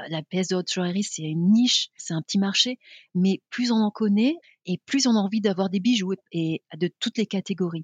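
A woman with a medium-pitched, somewhat breathy voice speaks at a moderate pace with ordinary pitch variation. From provincial France. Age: 40s. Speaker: magazine editor-in-chief. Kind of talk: interview conversation.

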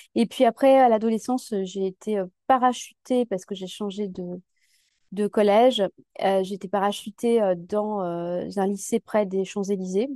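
Recorded with a dry, close sound and no echo, a woman talks at a fairly slow pace in a dark, mellow tone with fairly even intonation. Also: medium pitch for a woman. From Paris suburbs, Saint-Denis. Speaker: philosopher and clinical psychologist, author. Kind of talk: interview. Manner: halting, many repetitions and hesitations.

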